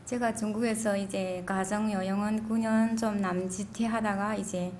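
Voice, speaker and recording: A woman's voice: mid-range voice, steady tone, moderate pace, darkish tone. A woman from China with a Korean-Chinese accent, giving a rambling personal testimony to a group. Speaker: seminar participant introducing herself. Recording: faint background room noise.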